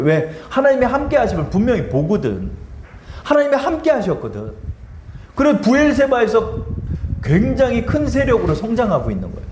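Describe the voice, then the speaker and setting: A male pastor delivers a sermon in a high, lively voice that swings widely in pitch. He asks his own questions and answers them, and he slips into casual speech to act out quotes. The sound is roomy and echoey, with a faint hiss of noise behind it. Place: church sanctuary.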